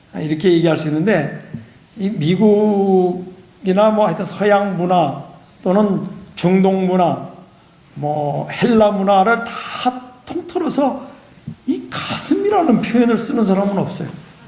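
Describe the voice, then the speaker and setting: In a room with audible echo and noticeable background noise, a man talks very slowly at a high pitch. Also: ordinary pitch variation. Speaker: pastor. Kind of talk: sermon. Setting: church camp meeting. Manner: frequent 'ah' fillers.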